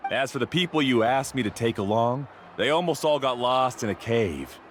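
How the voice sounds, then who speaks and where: A man's voice: mid-range voice, animated, normal speed, slight background noise, natural voice. An actor playing a proud, self-assured tribal guide who talks up his own skills. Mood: boastful. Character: boastful top male tribal guide, proud.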